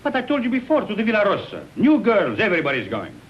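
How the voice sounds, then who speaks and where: An actor with an Italian accent playing a boisterous, drunken army officer who teases, laughs and mocks in theatrical 1930s film style. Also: male voice, sits high, huge pitch swings, fast talker. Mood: drunk teasing. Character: boisterous drunken male officer, teasing and swaggering. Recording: muffled old film soundtrack with hiss.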